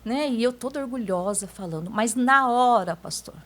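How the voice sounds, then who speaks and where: This church member tells her story to a pastor in a casual testimony, regularly addressing him as pastor and tagging lines with "né?". Her voice is a little high and fairly bright, and she speaks at a moderate pace.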